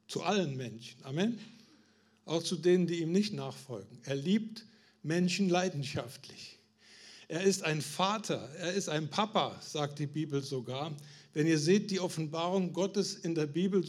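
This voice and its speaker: A man's voice: fairly high pitch, darkish tone. A man preaching a sermon to a congregation, asking them questions and building emphasis, with frequent restarts. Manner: restarts and stumbles on words.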